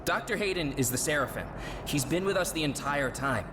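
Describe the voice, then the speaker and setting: Game role for a man: anxious male staffer, slightly high voice, urgent and concerned, in a very noisy setting. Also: animated, brisk, close to an everyday voice. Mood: worried. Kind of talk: video game cutscene acting. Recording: very noisy, ambient rumble behind.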